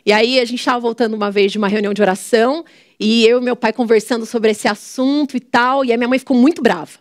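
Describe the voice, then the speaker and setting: A woman's voice: on the high side, fairly even intonation, fast, no echo, clean studio sound. A woman, a missionary guest, tells her personal testimony earnestly and often tags her sentences with "né". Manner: earnest storytelling with frequent "né".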